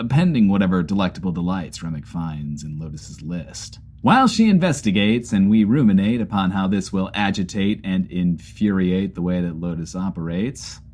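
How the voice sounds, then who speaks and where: A man's voice: sits low, animated, moderate pace, few pauses, a little mellow. An actor playing a grandiose, chatty male host of a post-apocalyptic variety show, with bombastic, wordy delivery. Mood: gleeful, smooth. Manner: bombastic, verbose wordplay. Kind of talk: theatrical comedy broadcast monologue.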